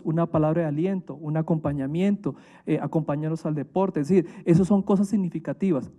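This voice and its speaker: A man's voice: a little high, dark tone. A Colombian man, a priest, giving a motivational talk to families and staff, emphatic and full of rhetorical questions.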